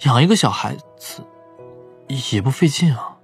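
A man's voice: mid-range voice, lively intonation, moderate pace, creaky, slightly rough, faint music behind, heavily acted. A man playing a confident, easygoing police detective in an audio drama. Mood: casual, persuasive.

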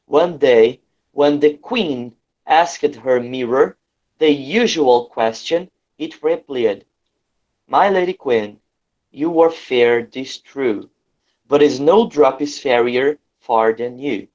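A man's voice: mid-range voice, very slow, a little mellow. A man with a Brazilian accent teaching an online lesson, reading a fairy tale aloud and explaining it didactically, repeating phrases for emphasis. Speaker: English teacher. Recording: dull, lo-fi online call audio.

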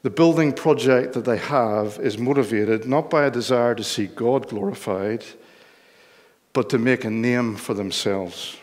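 A man's voice: medium pitch, measured pace. Older male preacher, Northern Irish accent, explanatory sermon delivery, recorded in a hall with long reverb. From Northern Ireland. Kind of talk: sermon with Bible reading. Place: church hall, speaking from lectern on stage.

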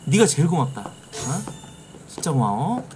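A middle-aged man streaming a game live, reacting loudly and swearing at it. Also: fairly high pitch, a little slow, noisy background. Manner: excitable, bursts into shouts and swears at the game. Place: streaming room indoors.

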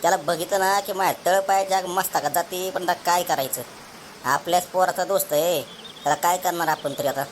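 A woman's voice: fairly low pitch, steady tone, brisk, a little hiss or hum, natural voice. A woman playing a fed-up, scornful village parent in a comedy cartoon, complaining. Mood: grumbling. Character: grumbling, fed-up village parent on family picnic. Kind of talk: Marathi comedy cartoon dialogue.

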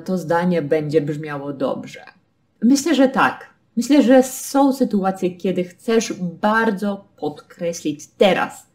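A woman's voice: fairly low pitch, a little mellow. A woman teaching a language lesson, patiently explaining grammar rules with spoken example sentences.

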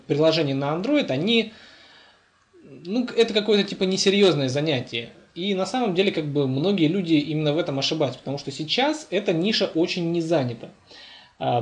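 A young man with a voice a little on the high side talks through a casual screencast. His delivery is informal and wordy, with a hesitant, searching way of putting things. He is recorded on a laptop's built-in microphone. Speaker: programming tutor and app developer. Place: indoors at a laptop.

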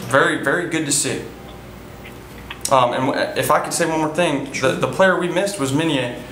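A man's voice: on the high side, moderate pace, fairly bright tone, reverberant, slight background noise, low-quality recording. A man in his thirties, a baseball team manager, answering post-game questions in an earnest way with many fillers and restarts. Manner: earnest, repeats himself, frequent fillers. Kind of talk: post-game press interview. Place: indoor press room before a sponsor backdrop.

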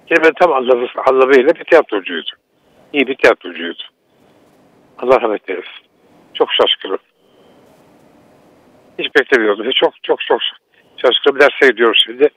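A man's voice: medium pitch, animated, moderate pace, long pauses, fairly bright tone, no echo. An older man calling in to a radio show over a phone line, shaken and repeating himself. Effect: radio show caller on a phone line. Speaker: theatre teacher phoning in to a broadcast.

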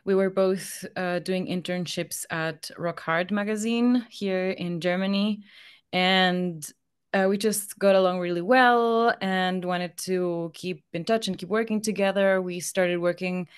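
A woman's voice: fairly low pitch, steady tone, unhurried, clear, resonant tone. A woman in her thirties, a native Spanish speaker, chatting casually as an interview guest into a studio mic at home. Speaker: podcast guest. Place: small room at home, video call. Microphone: studio condenser mic on boom arm, headphones.

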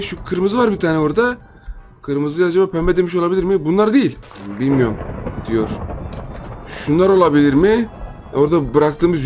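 A man doing a loud, exasperated let's-play commentary on a game as its host. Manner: loud, exasperated, jumps to high yells. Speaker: gaming YouTuber.

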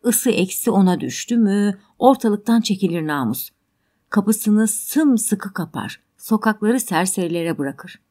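A woman reading as a stranded young mother in a spoken-word audiobook drama, agitated and bitter. She speaks in an emphatic outpouring at a middle pitch, sounding close to the reader's own voice. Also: expressive, measured pace, dark tone.

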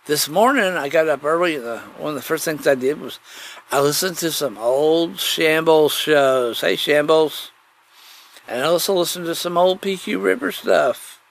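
Gravelly, folksy man rambling casually. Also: on the high side, a bit bright, slight background noise. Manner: folksy, digressive, repeats phrases. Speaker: podcast host. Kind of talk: rambling casual solo chat.

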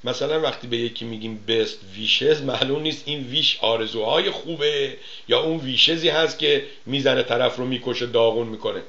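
A man's voice: mid-range voice, hardly any pauses, pushed and bright. A man from Iran hosting a TV talk show, chatting casually and joking as he tells stories and mimics the people he quotes. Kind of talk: casual monologue on call-in TV. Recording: roomy, slightly dull studio sound.

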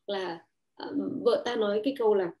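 A woman's voice: medium pitch, fairly quick, mellow. A woman giving an online talk on parenting and relationships, hesitant and full of fillers, acting out quoted lines in a raised voice.

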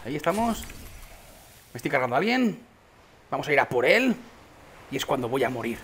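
A young man from Spain with a Spanish accent, giving excited gameplay commentary with frequent exclamations. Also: slight background noise. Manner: excitable, exclaiming, quick shifts in pitch. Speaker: gaming YouTuber.

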